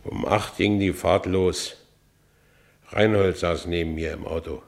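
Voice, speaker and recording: Franz Bieberkopf is a low-voiced Berlin working man, an ex-convict with a gullible, earthy streak. He tells his own story in colloquial Berlin speech, as in a radio drama, always justifying himself. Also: fairly even intonation, measured pace, gravelly. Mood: uneasy recounting. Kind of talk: radio play narration and dialogue.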